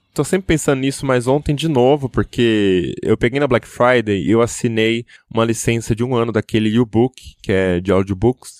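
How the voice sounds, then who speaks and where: A man talks at medium pitch and a moderate pace in a normal speaking voice, with ordinary pitch variation, very even loudness and hardly any pauses. The recording is very clean with a silent background, and the sound is dry and close with no echo. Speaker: podcast host. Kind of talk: casual chat.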